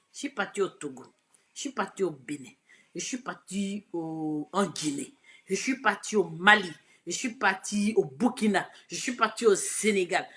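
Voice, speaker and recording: A woman with an Ivorian French accent giving an impassioned, preachy live video address, swinging from shouted lines to hushed asides. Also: mid-range voice. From Côte d'Ivoire. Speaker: online commentator.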